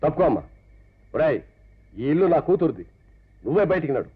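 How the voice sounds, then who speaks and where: A man's voice: a little high, sing-song, fairly quick, husky. An actor playing a blunt, bragging father-in-law in a film drama. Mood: gruff. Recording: thin tinny old film soundtrack with music.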